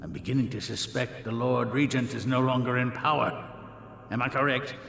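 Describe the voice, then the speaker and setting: An actor playing a vain, charming court painter who drawls with wry self-regard. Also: male voice, mid-range voice, fairly even intonation, moderate pace, gravelly, fairly bright tone. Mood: wry, musing. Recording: roomy reverberant game space.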